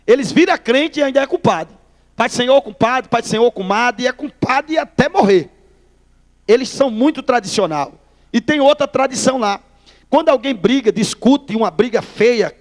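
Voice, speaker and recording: A Northeastern Brazilian man gives his testimony from the pulpit, folksy and chatty, often calling the congregation brother. His voice sits very high for a man. Long reverb from a large church hall trails behind his words. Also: lively intonation, normal speed. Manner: folksy storytelling, addresses listeners as brother. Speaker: pastor. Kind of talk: testimony sermon.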